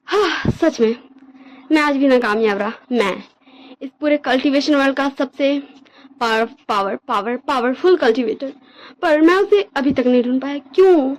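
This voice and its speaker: Woman doing a young male cultivator, proud, easily teased, high voice, storybook reading. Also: normal speed, natural voice, low-quality recording. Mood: earnest.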